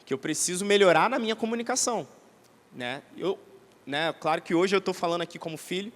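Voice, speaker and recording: Brief: Brazilian man, fairly high voice, chatty seminar teacher, long hall reverb. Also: a little fast, a bit bright. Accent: Brazilian Portuguese. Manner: conversational and didactic, many tag questions. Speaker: church seminar speaker. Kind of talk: teaching talk to an audience. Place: church hall.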